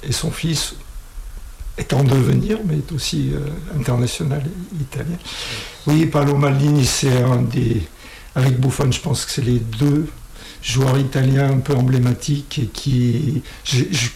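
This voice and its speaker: Gravelly man hosting a casual interview. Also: medium pitch, fairly even intonation, a little slow, darkish tone, slight background noise, poor audio. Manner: hesitant, restarts, frequent fillers, friendly questioning. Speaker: host interviewing students. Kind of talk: casual radio-style interview.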